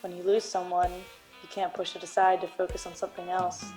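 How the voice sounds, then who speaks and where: A woman playing a brooding, grieving detective, melodramatic and deadpan, in a radio noir parody. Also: fairly low pitch, brisk, soft background music, natural voice, rough recording. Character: brooding, hard-boiled detective grieving a partner, wryly melodramatic.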